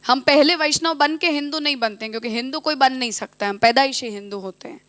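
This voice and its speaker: A woman teaching in a measured, explanatory devotional discourse, often mixing English terms into her talk. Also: high voice, fairly bright tone, dry recording. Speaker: religious teacher.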